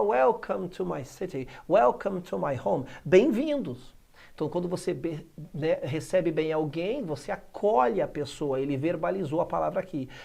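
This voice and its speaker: A Brazilian English teacher giving an exam-prep video lesson, reading English text aloud and explaining it in a lively, exclamatory way with frequent check-ins. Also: medium pitch, vocal fry. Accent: Brazilian Portuguese.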